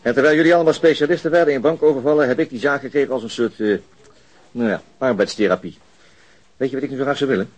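An actor playing a dogged, frustrated police detective in a radio drama, insistent and questioning with some hesitation mid-sentence. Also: male voice, medium pitch, fast talker, natural voice. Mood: brooding. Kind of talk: Dutch radio drama acting, conversational.

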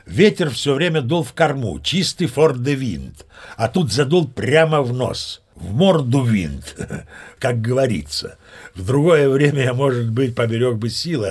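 An actor playing an old sea captain spinning tall tales in an audio play, with a gravelly, husky voice and a folksy, self-assured way of talking. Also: male voice, medium pitch. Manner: folksy, conversational, addressing listeners. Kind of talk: dramatised storytelling in an audio play.

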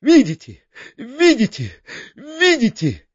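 A man's voice: a little high, very animated, takes it slowly, no echo, dull audio. A man voicing a pompous, sanctimonious older male tyrant who preaches and shrieks. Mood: shrieking. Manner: preachy, shrieking when enraged.

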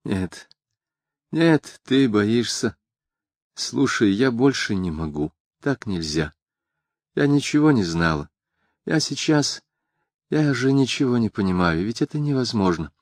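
A man's voice: mid-range voice, lively intonation, a little slow, pauses often, no echo, clean studio sound. A man voicing a fragile, distraught young woman in an audiobook, her pleas tearful and breaking. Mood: despairing. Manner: tearful, breaking, repetitive pleading.

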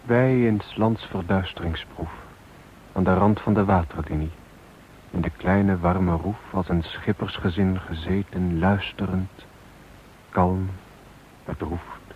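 A man reciting verse gravely, in measured phrases, as part of a radio drama. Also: low voice, steady tone. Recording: thin phone-like hissy radio recording.

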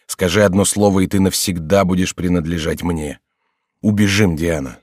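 A man's voice: low voice, steady tone, moderate pace, darkish tone, dry recording, studio quality. A man reading an audiobook, voicing an ardent young nobleman who pleads urgently. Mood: passionate. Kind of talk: audiobook character voice.

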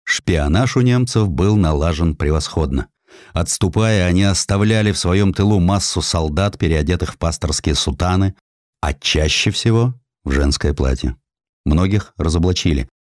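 A man reading historical prose as an audiobook narrator, with measured, expressive and dramatic delivery. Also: low-pitched, no echo, studio quality.

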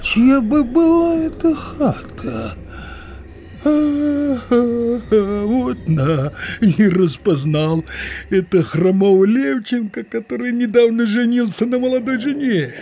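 A man's voice: very high voice, slow, mellow, slight background noise, full character voice. An actor playing a grumbling, muddled older village man in an audio drama, hesitant and blustering, muttering to himself with many interjections. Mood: puzzled, dawning realization. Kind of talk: theatrical audio drama acting.

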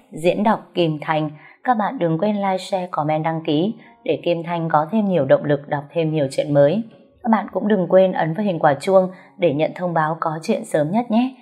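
A woman storyteller reading a story aloud in a calm, measured way. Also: low-pitched. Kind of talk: audiobook story narration.

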